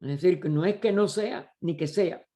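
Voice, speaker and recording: A man leading a study group, explaining a text slowly and deliberately, often pausing and restarting as he searches for words. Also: sits high, mellow. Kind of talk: slow explanatory study lecture.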